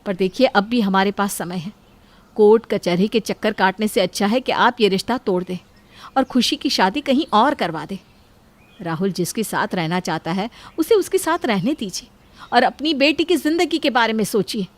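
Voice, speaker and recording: A woman's voice: medium pitch, lively intonation, normal speed. A woman voicing characters in an audio story, speaking in a lamenting, scolding way. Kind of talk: dramatic storytelling dialogue.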